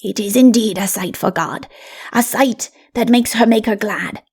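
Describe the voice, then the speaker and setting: A woman's voice: mid-range voice, normal speed, a little mellow, husky. A woman voicing a solemn, patient, fatherly old patriarch in a fantasy audiobook, with grave, assured pronouncements. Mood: grave, reassuring.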